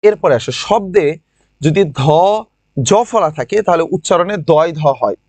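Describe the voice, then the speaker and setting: A young Bangladeshi man teaches a live online grammar class, calling on students by name, repeating every question and answer, and slowly drawing out example words. His voice sits on the high side, expressive and somewhat dark, with no room sound.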